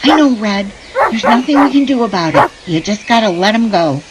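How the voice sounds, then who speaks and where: A woman's voice: mid-range voice, expressive, a little fast, very noisy, natural voice. A woman acting a chatty, rustic backwoods woman who scolds and confides in her dog in an audio drama. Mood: concerned. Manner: rustic, chatty, exasperated folksy talk.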